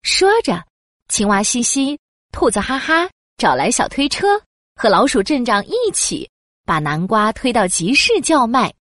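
Expressive woman storyteller. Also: fairly high pitch, unhurried, no room sound, studio quality. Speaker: narrator. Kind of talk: scripted children's story narration.

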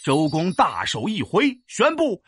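An animated, boastful dragon storyteller. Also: mid-range voice, unhurried, husky, soft background music, exaggerated voice. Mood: enthusiastic storytelling. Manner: theatrical, teasing, explanatory. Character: boastful, learned five-thousand-year-old dragon storyteller. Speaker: storyteller and teacher. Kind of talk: animated children's educational audio drama storytelling.

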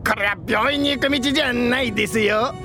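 A stammering chubby mole thief. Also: male voice, very high-pitched, a little fast, music in the background. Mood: flustered. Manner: stuttering, flustered. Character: chubby round-bellied male mole thief, jittery.

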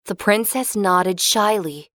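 In a clear, expressive storybook voice, a woman reads a children's fairy tale at a slow pace. Her pitch is mid-range, and the recording is close and dry with no room sound.

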